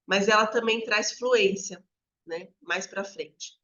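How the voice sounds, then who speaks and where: A woman educator walks listeners through how children learn to read, pausing often to check that they follow. Her voice is bright and forceful. The recording sounds a little dull and lo-fi. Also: medium pitch. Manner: explains step by step, frequent "né?" checks with listeners. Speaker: literacy educator. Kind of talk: explanatory teaching talk.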